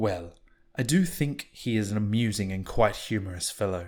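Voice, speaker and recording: A man puts on a character voice, fairly low in pitch, speaking at a moderate pace on a very clean recording with a silent background. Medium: read story.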